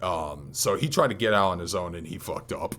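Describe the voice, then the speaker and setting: A man's voice: low voice, expressive, moderate pace, creaky, a bit bright. A man co-hosting a casual gaming podcast, talking enthusiastically in loose, slangy language with some mild swearing. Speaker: podcast co-host.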